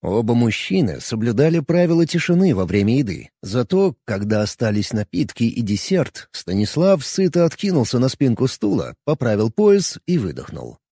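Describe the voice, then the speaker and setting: A man narrating an audiobook in an expressive storytelling manner. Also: medium pitch, normal speed, few pauses, husky, no room sound, studio quality. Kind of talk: scripted narration.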